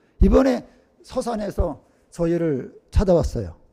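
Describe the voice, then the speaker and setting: This man's fairly high voice carries vocal fry and a dark, mellow tone. His pitch swings very widely. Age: 60s. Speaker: pastor. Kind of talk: sermon. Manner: animated.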